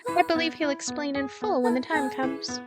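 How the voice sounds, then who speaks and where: A woman's voice: sits high, normal speed, loud music behind the voice, pitched above the performer's own voice, natural voice. A woman voicing a devout, stubbornly cheerful ghost girl in a visual novel, sweet and insistent. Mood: earnest.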